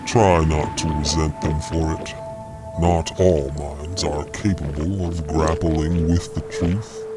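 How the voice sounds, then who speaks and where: A man voicing a grave, zealous frog-like alien intellectual in an audio drama, speaking in lofty, measured, persuasive phrases. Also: very deep voice, steady tone, over loud music. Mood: condescending, confiding.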